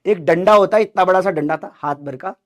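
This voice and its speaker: A man telling students a story in an animated, dramatic way, acting out the dialogue. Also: sits high, fairly quick. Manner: lively, dramatic, acts out dialogue.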